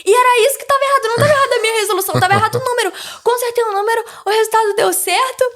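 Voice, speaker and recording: A teenage girl speaking as a podcast guest, telling a lively story about her faith with frequent restarts. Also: very high-pitched, racing. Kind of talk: casual faith testimony.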